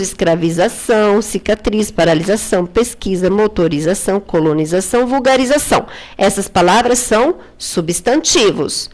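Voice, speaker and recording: A Brazilian woman teacher giving a recorded spelling lesson, explaining patiently and asking questions she answers herself, checking in often with her students. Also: mid-range voice. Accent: Brazilian Portuguese. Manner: checks in often with "tá?" and "tudo bem?".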